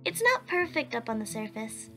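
Kind, determined cartoon child, adult actress: high-pitched, earnest, chatty, light music underneath. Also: female voice, very animated, normal speed, bright, forceful tone. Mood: happy. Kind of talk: cartoon comic dub.

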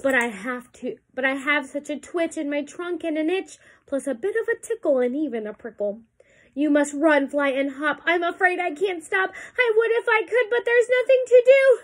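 A woman's voice: sits high, expressive, moderate pace. A woman voicing a big, anxious, apologetic elephant in a children's storybook, with dramatic exclamatory delivery. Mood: apologetic, sad.

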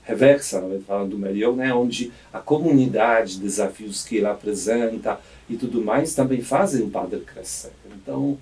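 Fairly low and darkish in tone, this man's voice moves at normal speed with hardly any pauses, picked up by a distant studio boom-arm mic. He's an auxiliary bishop from Poland in his fifties with a Polish accent, reflective and hesitant in a radio interview, restarting often.

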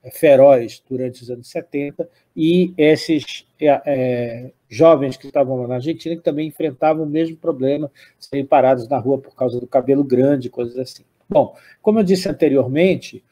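A man's voice: medium pitch, moderate pace, dark tone. A Brazilian man, older, hosting a music program and talking unscripted, rambling with frequent restarts and tag questions. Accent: Brazilian Portuguese. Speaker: music show host. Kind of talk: unscripted spoken commentary.

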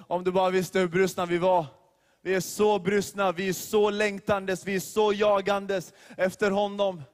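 High-voiced man preaching in a hall. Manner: emphatic, repetitive preaching with rhetorical questions. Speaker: youth leader preaching. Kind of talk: sermon. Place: large church hall. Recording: long hall reverb.

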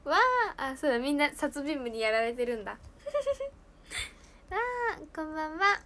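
High-pitched teen girl, lilt, giggly casual stream chat answering comments. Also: big pitch swings, unhurried, a bit bright. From Japan. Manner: bubbly, giggly, reads and answers viewer comments. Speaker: idol trainee streamer.

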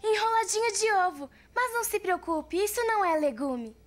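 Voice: extremely high pitch, lively intonation, fairly quick, a bit bright. A performer voicing a confident, slightly bossy young girl in a Brazilian cartoon dub, explaining things matter-of-factly. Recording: music behind the voice.

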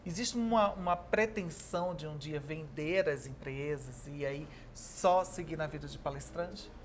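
Low-voiced Brazilian woman hosting a chat. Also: unhurried, a little hiss or hum. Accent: Brazilian Portuguese. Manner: chatty, agreeable, fills with "né". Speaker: talk show host. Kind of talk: interview chat. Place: pink decorated studio set, indoors.

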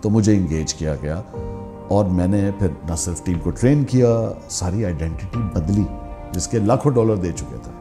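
A middle-aged man from Pakistan, recounting his career in media as an animated storyteller who mixes English phrases into his talk. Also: sits low, normal speed, soft background music. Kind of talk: candid memoir conversation.

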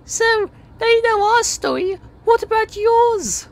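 A man voicing a gentle, self-doubting young woman in an amateur audio play, earnest and plain-spoken. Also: animated, unhurried, full character voice. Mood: curious. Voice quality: very high-pitched.

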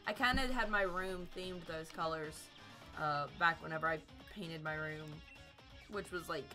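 A woman's voice: deep voice, a little slow, sharp tone, faint music behind. A young woman in her twenties chatting and reacting while live-streaming a game, her voice a little tired from nights of streaming, laughing and singing along now and then. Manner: chatty, bubbly, laughs often, sings along. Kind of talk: live gameplay commentary.

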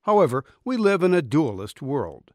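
A middle-aged man reading a spiritual essay as an audiobook narrator, earnest and deliberate, close on a studio microphone in a small booth. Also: on the high side, sing-song, dry recording. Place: small dim recording booth. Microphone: studio condenser microphone, close.

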